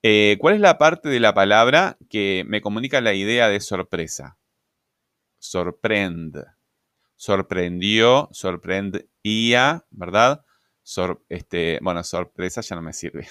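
A man's voice: lowish voice, lively intonation, moderate pace, hardly any pauses, fairly bright tone, no room sound, clean studio sound. A man giving a grammar lecture, explaining patiently and checking in with "¿verdad?" and "este". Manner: explanatory, asks rhetorical questions, frequent "¿verdad?" and "este" fillers. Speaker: grammar teacher.

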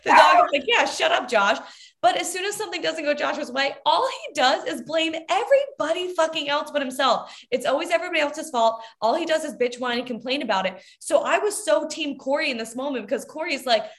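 A woman co-hosting a reality show aftershow, chatting casually and candidly, swearing freely and getting animated when heated. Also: high voice, a little fast, few pauses. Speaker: podcast co-host.

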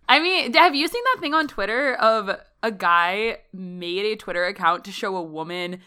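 A young adult woman, a podcast guest, telling stories in animated, giggly casual chat. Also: mid-range voice, unhurried, clear, resonant tone.

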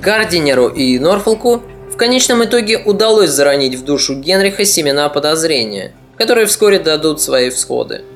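A man narrating a history podcast in a steady, deliberate storytelling manner. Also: a little high, faint music behind.

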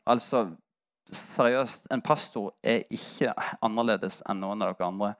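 Candid male pastor. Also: lowish voice. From Norway. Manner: candid storytelling with self-mocking humor. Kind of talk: sermon.

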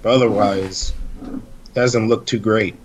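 A man's voice: fairly low pitch, steady tone, slow, slight background noise, poor audio. A man talking as a podcast guest in a laid-back, blunt, joking way. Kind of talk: casual chat.

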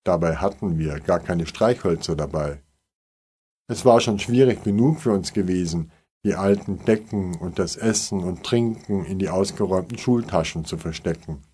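A man reading a children's storybook aloud in a calm, measured way. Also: low-pitched, husky. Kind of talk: scripted storybook narration.

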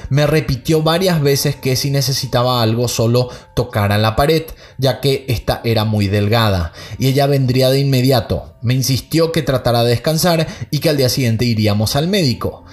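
A man's voice: mid-range voice, normal speed, few pauses. A man hosting a podcast, reading listener stories aloud and then chatting casually about them. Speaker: podcast host.

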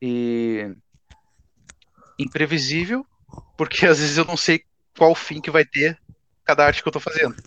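A man's voice: a little high, measured pace, long pauses, bright, forceful tone, no room sound. Laid-back young man, dry lo-fi sound. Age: 20s. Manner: laid-back, says "cara" often. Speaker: guest artist. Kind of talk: casual podcast chat.

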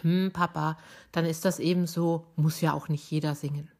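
A middle-aged woman with a raspy, rough-edged voice, hoarse from bronchitis, telling a personal story as a podcast host. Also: deep voice, steady tone, moderate pace, a little mellow.

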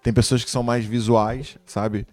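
A man hosting a casual chat, talking in a relaxed, slangy way with frequent laughs. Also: medium pitch, moderate pace, no room sound, soft background music.

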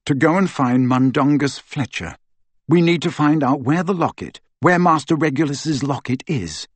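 A man voicing a kind but firm young male wizard, speaking gently with hesitant pauses. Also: on the high side, breathy edge, no room sound, voice pushed up, exaggerated voice.

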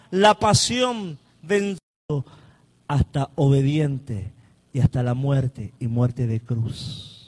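A man preaching an emphatic sermon, calling on the congregation to repeat words after him. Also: very high-pitched.

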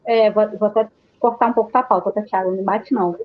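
A woman's voice: medium pitch, steady tone, quick pace, narrow, tinny audio, music in the background. A woman with a Carioca accent chatting casually about films in informal Rio street slang, with casual swearing. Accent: Carioca (Rio de Janeiro). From Rio de Janeiro, Brazil. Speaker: panelist discussing films.

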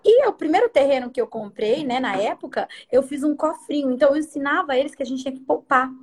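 A middle-aged woman runs a salon and is a guest in a relaxed interview. Her voice sits high. She tells her stories with lots of life and slips into the voices of the people in them. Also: quick pace. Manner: animated storyteller who acts out others' lines. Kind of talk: casual storytelling chat.

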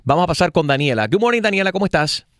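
A man hosting a morning radio show, lively, switching between Spanish and English. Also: a little high, racing, no room sound, clean studio sound. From United States. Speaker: radio host. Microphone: studio mic.

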